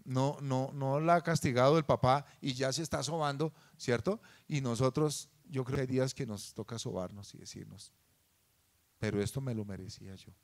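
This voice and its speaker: In a church, a man with a medium-pitched voice preaches a sermon, shifting from quiet, conversational speech to loud, fervent passages.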